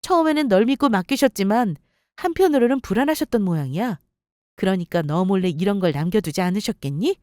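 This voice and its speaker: A woman's voice: medium pitch, expressive, fairly quick, warm tone, no echo, studio quality, natural voice. A woman playing a coolly mocking wife. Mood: cold. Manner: cool, mocking, composed. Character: calm, cutting wife who takes over company. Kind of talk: story radio role-play.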